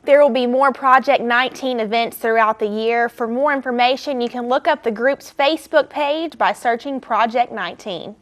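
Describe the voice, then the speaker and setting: A woman's voice: on the high side, moderate pace, few pauses. A young woman anchoring a student newscast, delivering scripted state news evenly. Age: young adult.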